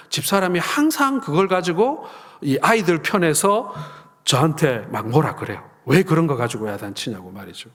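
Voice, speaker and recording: A middle-aged man preaching a sermon as pastor, telling lively stories and acting out family dialogue. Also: a little high. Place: church sanctuary. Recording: long reverb of a church hall.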